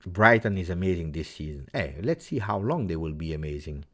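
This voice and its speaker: An Italian-accented man deep into a late live football reaction stream, low voice, dramatically repeating himself to his viewers. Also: sing-song. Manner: theatrical, emotional, with repeated phrases and dramatic pauses. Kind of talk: casual live-stream chat.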